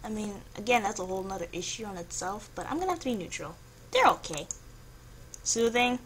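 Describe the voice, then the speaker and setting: A young woman vlogger chats casually while working through a quiz, thinking aloud in a hesitant, noncommittal way. Her voice is mid-range and fairly bright. The home recording is rough, with faint background noise.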